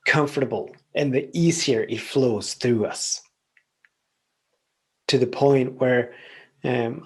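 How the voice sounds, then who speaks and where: With a slightly rough, mid-range voice, a man whose first language is Swedish hosts a podcast and calmly teaches on spiritual themes. His reflective monologue often circles back through repeated phrases arranged in long lists.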